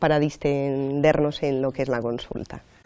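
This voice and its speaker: Against a quiet background, a woman speaks at a fairly slow pace in a very deep, low pitch. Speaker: physician and medical lecturer. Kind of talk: interview. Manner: halting, many fillers. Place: studio. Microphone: lapel.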